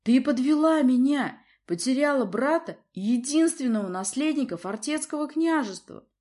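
A woman's voice: mid-range voice, lively intonation, moderate pace, close to an everyday voice. A woman voicing a stern, domineering lion prince who scolds his daughter in a roaring, imperious manner. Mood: commanding.

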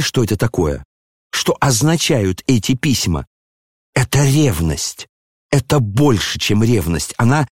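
A man's voice: mid-range voice, no echo, clean studio sound. A man reading an audiobook, voicing an agitated, proud young woman who questions and reproaches urgently.

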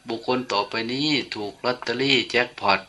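A man's voice: brisk, bright, forceful tone. An older man, a monk, giving an informal, chatty sermon full of anecdotes and light humor. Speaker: monk giving a dharma talk.

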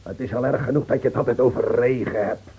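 A man's voice: medium pitch, fast, mellow, husky. A man acting a stern, pious villager who rebukes others in a radio drama. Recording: muffled old radio play recording.

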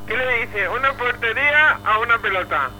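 A male caller, heard over the phone line, telling jokes live on air with a giggly, halting delivery. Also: very high-pitched, animated, a crowd in the background.

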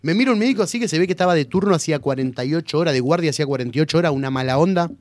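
A man's voice: a little high, rapid-fire. A young man with an Argentine Rioplatense accent, a radio host telling a funny story in a casual, laughing way full of slang. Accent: Argentine Rioplatense Spanish. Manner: animated, laughing, heavy slang. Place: radio studio.

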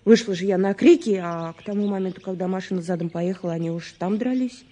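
A woman's voice: mid-range voice, fast, dark tone, lightly acted. An actress playing a chatty, opinionated young woman witness in a naturalistic audio drama, talking colloquially and dismissively. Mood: earnest, recalling. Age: young adult. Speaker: actor in an audio play. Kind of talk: naturalistic radio drama dialogue.

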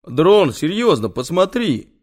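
A man's voice: a little high, big pitch swings, slow, darkish tone, pitched above the performer's own voice, heavily acted. A man voicing a blunt, offhand young male friend on a film set, in an audiobook reading. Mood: urging. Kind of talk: audiobook character voice.

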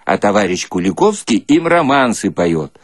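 A man's voice: lowish voice, big pitch swings, normal speed, dry recording, studio quality. A man voicing a smugly polite theatre ticket controller with a sly, mock-courteous, colloquial manner.

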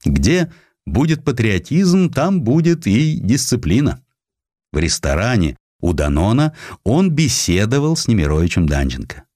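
A man narrating a historical essay as an audiobook, with an expressive, theatrical storytelling manner. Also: mid-range voice, a little slow, no room sound, clean studio sound.

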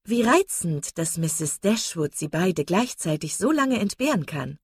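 A woman's voice: fairly low pitch, very animated, measured pace, slightly rough, no room sound, clean studio sound, exaggerated voice. A woman voicing a young woman who gushes with false sweetness and sly digs.

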